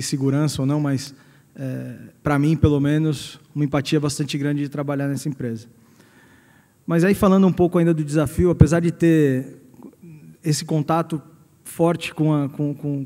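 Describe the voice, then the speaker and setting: A man's voice: on the high side, warm tone. A middle-aged Brazilian man giving a personal career talk to an audience as a company president, hesitantly repeating words as he searches for the next one. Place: large hall at a university event. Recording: echoey hall with long reverb.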